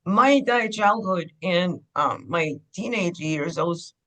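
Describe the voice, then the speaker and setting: A woman's voice: on the low side, expressive, a little slow. A woman from Ukraine, candidly telling her life story as a guest on a podcast interview. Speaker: guest, clinic owner.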